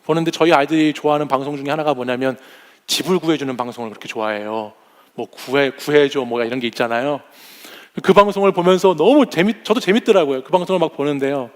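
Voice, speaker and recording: A man in his forties preaches a sermon with a high-pitched voice. He mixes in humorous stories about his family and briefly mimics the voices of the people in them. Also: fast talker. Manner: warm storytelling with humorous anecdotes; acts out family members' voices. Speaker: pastor.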